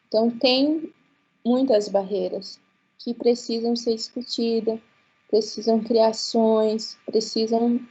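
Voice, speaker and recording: A woman whose first language is Guarani, speaking as a panelist in an online webinar, earnest and halting with many restarts. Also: fairly high pitch, mellow, husky, highs cut off. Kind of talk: webinar talk. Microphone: video call.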